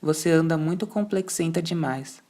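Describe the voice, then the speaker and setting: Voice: medium pitch, moderate pace, dark tone, natural voice. A student reader voicing a teenage girl who scolds her sister, for an amateur audiobook. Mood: scolding.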